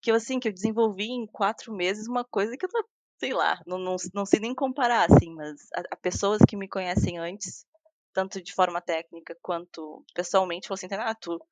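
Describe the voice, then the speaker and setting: A woman of mid pitch tells her story in a loose, chatty way, often restarting sentences. Her voice sits close and dry, with no room sound around it. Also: fairly quick, a little mellow, no room sound. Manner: chatty, frequent restarts and fillers, laughs while talking. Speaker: guest software engineer. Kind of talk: casual interview talk.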